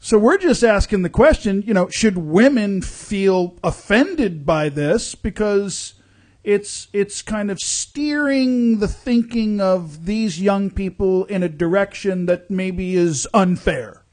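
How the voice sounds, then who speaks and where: A man's voice: high voice, lively intonation, takes it slowly, a little mellow. A man co-hosting talk radio in a casual, conversational way, circling into his points. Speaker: radio co-host.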